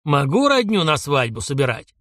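A man doing a gruff bossy old grandfather. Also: a little high, big pitch swings, normal speed, fairly bright tone, dry recording, clean studio sound. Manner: blunt, teasing, commanding.

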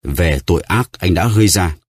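A man voicing a stern, vengeful nobleman who speaks gravely and solemnly, in a deep, dry voice. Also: moderate pace, dry recording.

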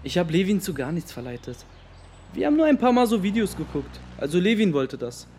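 A man's voice: high voice, sing-song, a little fast, darkish tone, slight background noise. An actor playing a defensive young Muslim man, speaking slangy testimony in a naturalistic radio drama. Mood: earnest. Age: young adult. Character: defensive young Muslim friend of a missing teenager.

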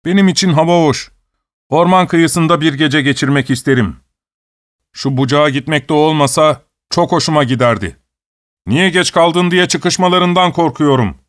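A man's voice: on the high side, moderate pace, no echo, studio quality, lightly acted. A man voicing a blustering, irritable male village watchman in a read-aloud story, with a bossy, threatening manner. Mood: grumbling. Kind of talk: audiobook character reading.

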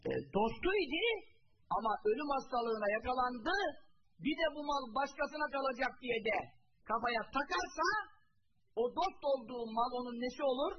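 A man's voice: extremely high pitch, highs cut off, noisy background. A man preaching to a congregation, quoting Arabic phrases and translating each one, who asks rhetorical questions and answers them himself. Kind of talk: religious talk to a congregation.

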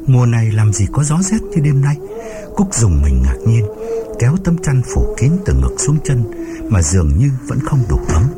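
A man's voice: mid-range voice, wildly swooping pitch, moderate pace. A man narrating a ghost story in a suspenseful, dramatic audiobook style, over background music.

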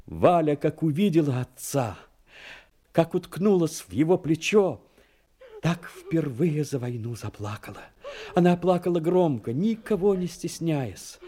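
A man giving dramatic scripted narration for an audio play, measured and literary. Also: fairly high pitch, expressive, dark tone. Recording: music behind the voice.

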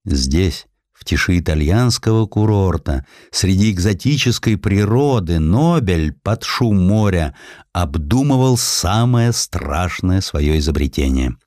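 A man's voice: deep voice, lively intonation, a little slow, darkish tone, dry recording, clean studio sound. A man narrating a historical essay with theatrical, emphatic, scripted delivery.

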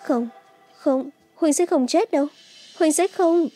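A woman's voice: fairly high pitch, normal speed, dark tone, faint music behind, close to an everyday voice. A woman voicing a fierce, devoted young swordswoman with anguished feeling in a martial-arts audiobook. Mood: tearful, desperate.

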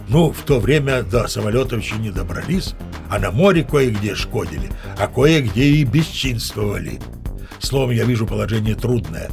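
Give this audio play an old sea captain, with a creaky, gravelly mid-pitched voice. He is chatty and pleased with himself, telling tall tales straight to his listener over faint music. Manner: chatty, self-satisfied storyteller addressing the listener. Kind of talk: audio play storytelling monologue.

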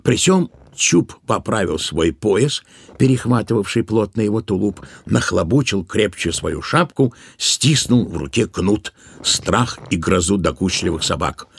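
A man's voice: lowish voice, expressive, measured pace, vocal fry, slightly rough. A man narrating a literary tale as the storyteller of an audio play.

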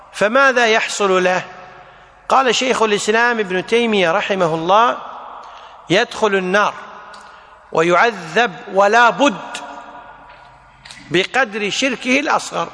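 Bright high-voiced male religious teacher. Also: long reverb tail. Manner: deliberate, repeats key phrases for emphasis. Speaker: Islamic teacher. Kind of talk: religious lesson explaining a text.

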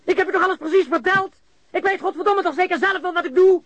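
High-voiced, agitated male crime suspect. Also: fast talker, fairly bright tone, no room sound. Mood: exasperated, angry. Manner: indignant, swearing. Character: agitated male criminal suspect confessing under police interrogation. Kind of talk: radio crime drama acting.

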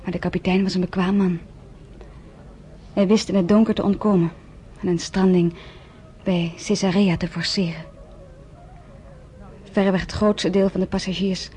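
A woman playing a soft-spoken Jewish survivor. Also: mid-range voice, a little hiss or hum, natural voice. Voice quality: soft-spoken, often near a whisper. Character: young Jewish woman survivor, quiet and resolute. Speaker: narrator of her own story. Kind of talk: radio play narration.

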